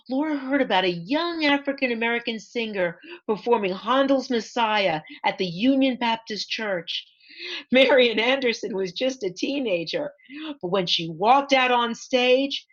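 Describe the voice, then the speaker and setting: A woman reads a children's picture book in a high voice, taking her time over each phrase. She is expressive and pauses to point things out to her listeners. The audio is dull and lo-fi, like an online stream. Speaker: author reading her picture book aloud. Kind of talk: storytime read-aloud for children with asides. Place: online library event.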